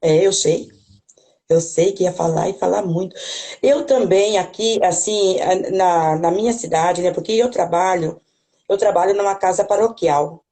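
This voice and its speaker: A rather low, mellow woman's voice with a rural Brazilian accent. She talks hesitantly on a video call, often restarting and tagging her sentences with questions. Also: unhurried. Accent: Brazilian Portuguese, rural. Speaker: guest, parish worker. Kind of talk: casual conversation, hesitant.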